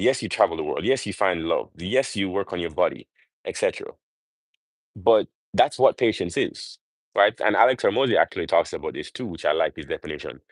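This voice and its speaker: A man's voice: low-pitched, dry recording. A man hosting a motivational live stream, speaking off the cuff and emphatically, often checking for agreement with rhetorical questions. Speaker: motivational livestream host.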